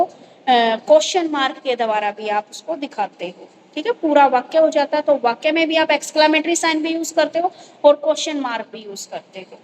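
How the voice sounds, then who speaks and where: High-voiced woman teacher explaining patiently. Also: a little hiss or hum, poor audio. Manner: explains patiently, often checks in with the listener. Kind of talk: explaining grammar to students.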